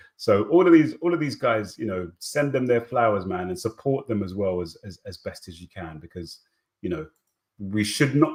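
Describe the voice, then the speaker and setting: A man with an East London accent talks at a medium pitch and moderate pace, his voice making very wide pitch swings. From England, East London. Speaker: YouTube host on African history. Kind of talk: casual livestream chat. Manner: halting, frequent repetitions and fillers.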